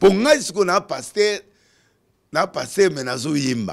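Speaking at a fairly slow pace, a man has a high pitch and very wide pitch swings. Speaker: prophet, preacher. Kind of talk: interview.

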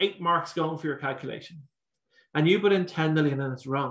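Fairly quick and with an Irish accent, a man speaks at a fairly high pitch with fairly even intonation. The background is quiet, though audible room echo comes through. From Ireland. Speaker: exam tutor. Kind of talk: lecture. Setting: video call. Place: home room. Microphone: video call.

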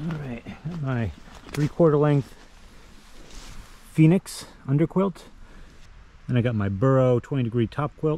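The sound is dry with no echo, with light background noise behind it. A man speaks in a dark, mellow tone. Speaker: solo backpacker vlogger. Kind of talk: casual vlog chat. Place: forest. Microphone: phone near.

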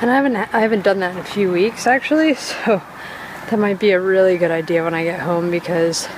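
Through noticeable background noise, a woman speaks at a moderate pace. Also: dry sound with no echo. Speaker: runner vlogger. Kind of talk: casual vlog chat. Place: open country. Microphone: phone near.

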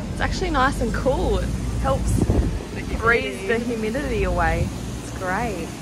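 Loud background noise, a woman's moderate pace, and dry sound with no echo. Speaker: tourist vlogger. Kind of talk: casual vlog chat. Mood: cheerful, excited. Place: bus. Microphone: phone near.

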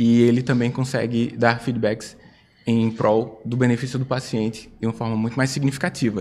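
At a moderate pace, the speaker talks in a flat, monotone way. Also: man, medium pitch for a man. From Cariri, Ceará, Brazil; Ceará, Brazil. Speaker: physician and podcast host; podcast host. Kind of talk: interview. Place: studio. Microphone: studio mic.

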